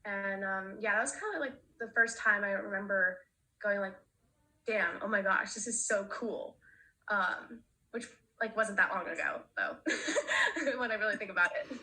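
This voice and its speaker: A woman's voice: medium pitch, a little slow, pushed and bright, low-quality recording. A young woman, an actress speaking as a panel guest, chatty and giggly with many fillers. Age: young adult. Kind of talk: panel discussion.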